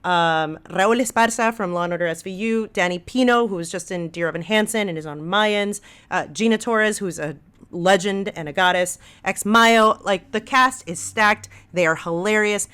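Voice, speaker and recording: Female podcast guest, medium-pitched, casual and slangy, drives points home with enthusiasm. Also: moderate pace, fairly bright tone, clean tone. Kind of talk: casual conversational podcast talk.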